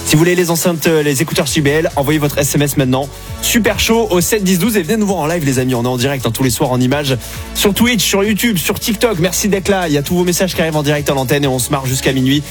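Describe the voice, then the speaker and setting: Male radio host, playful, quick talker, studio sound. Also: fairly high pitch, faint music behind. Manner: upbeat, playful, quick banter. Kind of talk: energetic live radio and stream show.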